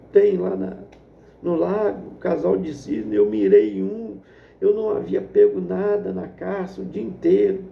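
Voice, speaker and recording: A man's voice: high voice, gravelly, heavily acted. A man voicing a frightened young son who pleads and confesses in tears, recorded in an echoey room with a dull lo-fi sound. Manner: pleading, tearful. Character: frightened young male student son, remorseful.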